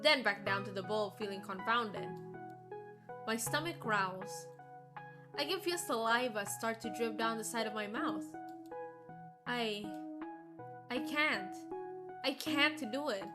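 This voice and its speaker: Female streamer, fairly high voice, expressive visual-novel narration, music behind. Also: slow, pauses often. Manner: expressive storytelling. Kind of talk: reading a visual novel aloud, dramatic narration.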